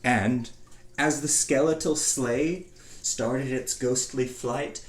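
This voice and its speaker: A man giving a dramatic reading of a rhyming storybook, with measured, theatrical phrasing and pauses. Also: mid-range voice, steady tone. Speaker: storybook reader. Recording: echoey room, faint background noise.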